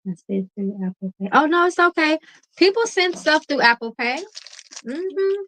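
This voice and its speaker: A relaxed woman hosts a late-night livestream, chatting easily with her viewers and calling them y'all. Her voice is bright and calming, and she laughs often between remarks. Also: sits high, normal speed, rough recording. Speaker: tarot reader and livestream host. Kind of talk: casual livestream chat with viewers.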